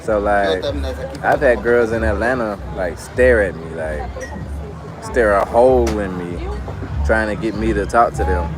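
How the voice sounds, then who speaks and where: A man's voice: fairly low pitch, unhurried. A man vlogging outdoors at night in a bar area, talking loosely and casually with lots of "like" fillers. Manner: loose, chatty, many "like" fillers. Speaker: travel vlogger. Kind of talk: casual rambling talk to camera. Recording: outdoor street audio with loud music. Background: music from nearby bars.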